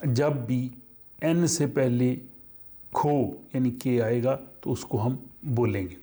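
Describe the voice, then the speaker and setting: A man teaching a language lesson, explaining slowly with many pauses and fillers. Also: mid-range voice, dark tone.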